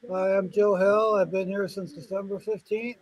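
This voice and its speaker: A man's voice: high-pitched, level tone, normal speed, low-quality recording. A man from New York State introducing himself casually as a camp supporter. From New York State, United States.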